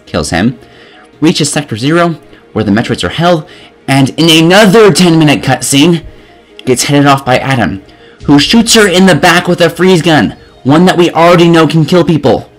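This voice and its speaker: A man's voice: fairly high pitch, lively intonation, normal speed. A man reading scripted video game review commentary in a sarcastic, exasperated manner. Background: music.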